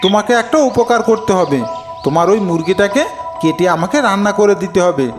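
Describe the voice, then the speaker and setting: A man's voice: high-pitched, expressive, moderate pace, over music. A man playing a greedy, scheming jeweler in a cartoon folk tale, with a demanding, inquisitive manner.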